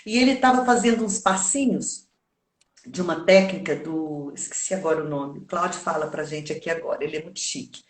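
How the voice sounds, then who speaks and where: A woman's voice: low voice, brisk. Reflective woman in an echoey room. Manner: reflective, thinks aloud with frequent tag questions. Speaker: voice coach for theatre. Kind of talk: casual interview chat. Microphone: video call.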